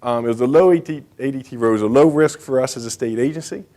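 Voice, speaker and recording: A man's voice: medium pitch, quick pace, warm tone. A man giving a conference presentation as a state bridge engineer, speaking casually with frequent fillers and asides.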